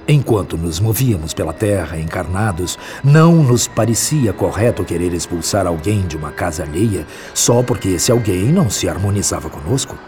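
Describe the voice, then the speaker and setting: An actor playing a wise, patient male spirit mentor in a radio drama, with a Brazilian accent and a measured, solemn, instructive delivery. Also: low voice, a little mellow. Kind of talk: radio drama acting, didactic monologue.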